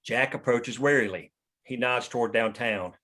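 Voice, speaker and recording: A man's voice: medium pitch, moderate pace, pushed and bright. A man narrating stage directions at a script table read.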